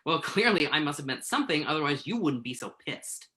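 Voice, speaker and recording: A woman's voice: low-pitched, very animated, a little fast, a bit bright. A woman acting the part of an emphatic, wounded male writer in a staged play reading. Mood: indignant, insistent. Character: male writer Tim, pen name Tuck, joking, wounded, insistent.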